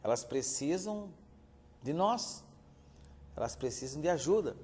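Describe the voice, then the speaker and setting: Earnest pastor teaching a Bible class. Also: male voice, fairly high pitch, animated, a little slow, a little mellow. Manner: earnest, addresses listeners as brothers, many filler "né". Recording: reverberant hall.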